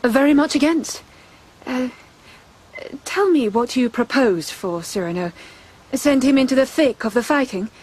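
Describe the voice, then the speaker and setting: High-voiced coy, scheming noblewoman. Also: animated, darkish tone, full character voice. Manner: hesitant, breathy, coy, trailing pauses. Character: young noblewoman, coy, scheming, guardedly feigning affection. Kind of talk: radio drama acting. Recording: radio play with clear background ambience.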